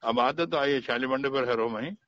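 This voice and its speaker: Curt, sharp Hyderabadi man on phone. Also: mid-range voice, normal speed, dry recording. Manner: curt, insistent, repetitive. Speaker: politician taking a phone call. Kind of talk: informal phone conversation. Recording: dull lo-fi phone call recording.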